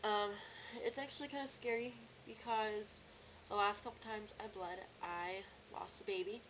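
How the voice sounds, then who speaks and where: A young woman with a cracky, strained voice and sore throat, talking casually and haltingly in a personal video diary. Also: medium pitch, steady tone, a bit bright, rough recording. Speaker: vlogger. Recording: clear background noise, room ambience.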